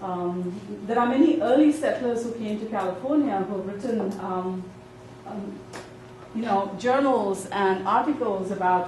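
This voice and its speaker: At a moderate pace and medium pitch, a woman talks amid noticeable background noise and audible room echo. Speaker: native plant gardening speaker. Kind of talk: lecture.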